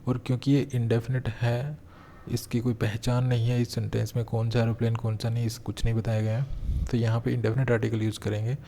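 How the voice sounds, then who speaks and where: A male English teacher giving an exam-prep grammar lesson, explaining step by step and slowing down to read example sentences aloud. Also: medium pitch, level tone, creaky, warm tone, a little hiss or hum.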